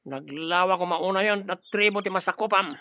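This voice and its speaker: An actor playing a loyal, eager tribal warrior in a radio drama. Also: male voice, sits high, a little fast. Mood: deferential. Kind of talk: Ilocano radio drama acting. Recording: dull lo-fi radio drama recording.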